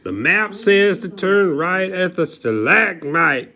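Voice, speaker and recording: A man voicing a loud, shouty male character from a children's storybook, hollering with heavy emphasis. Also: sits high, animated, slow, voice pushed up, exaggerated voice. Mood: loud, excited.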